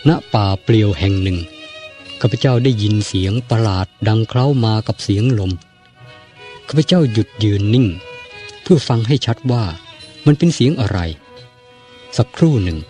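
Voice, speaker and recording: A man narrates a novel in a steady, formal storytelling manner. His voice sits low and sounds warm and mellow. Soft music plays faintly behind him throughout. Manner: measured, formal storytelling delivery. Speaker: audiobook narrator.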